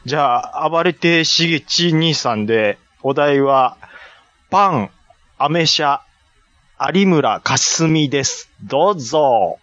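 A man with a Kansai accent chats easygoingly on a podcast, often laughing at himself. He talks slowly, with a fairly high voice that rises and falls a lot. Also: expressive, a bit bright, dull audio. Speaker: podcast co-host. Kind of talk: casual podcast chat.

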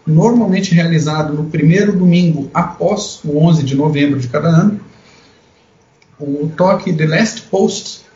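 Higher-voiced Brazilian man in a roomy space. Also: darkish tone, muffled recording. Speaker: podcast co-host. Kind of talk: explanatory segment on a podcast.

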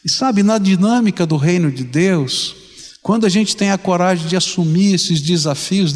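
An older Brazilian man preaching a fervent sermon to his congregation, often asking them direct questions. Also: fairly high pitch. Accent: Brazilian Portuguese. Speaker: pastor. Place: large church sanctuary. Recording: long reverb of a large church hall.

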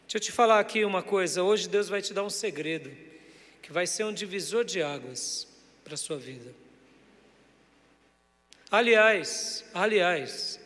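A man's voice: sits high, fairly bright tone. A male pastor preaching a sermon to his congregation, emphatic, drawing out key words and putting questions to the listeners. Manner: addresses congregation directly with questions. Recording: church hall reverb.

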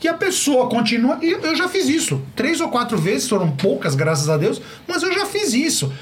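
Animated middle-aged man telling stories. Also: very high-pitched, normal speed, a little hiss or hum. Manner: animated storyteller acting out quoted dialogue. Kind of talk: casual panel conversation.

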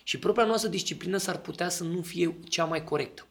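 A man's voice: high voice, creaky. A man in casual podcast talk, explaining his ideas and often checking that the listener agrees.

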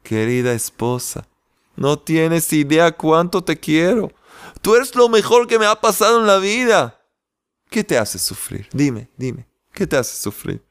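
A man voicing a humble shoemaker who speaks softly and lovingly to his wife. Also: high voice, expressive, slow pace, smooth. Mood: tender. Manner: soft, tender, pleading.

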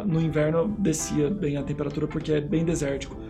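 A man's voice: on the high side, brisk, creaky, music in the background. A man with a Brazilian Portuguese accent, a missionary guest telling stories casually and acting out the voices in them. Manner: animated, acts out voices in his stories. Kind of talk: casual storytelling.

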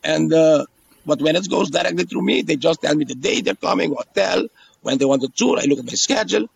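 Gravelly Aruban-accented man, slightly high voice. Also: brisk, no room sound. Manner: repeats phrases and checks in with "yes?". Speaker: tour guide being interviewed. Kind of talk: casual conversational explaining.

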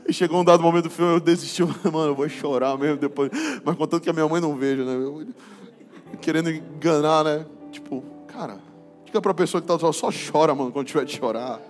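A man's voice: a little high, fast talker, faint music behind. A man pastor with a Brazilian Portuguese accent preaching a sermon, casual and slangy, building to fervent passages. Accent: Brazilian Portuguese, from Belém.

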